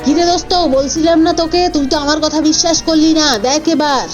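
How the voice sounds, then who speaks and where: A woman voicing an excitable, suspicious and stubborn young boy in an animated cartoon, speaking colloquially and dramatically. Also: high voice, quick pace, natural voice. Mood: urgent, alarmed. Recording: dull audio with faint background music.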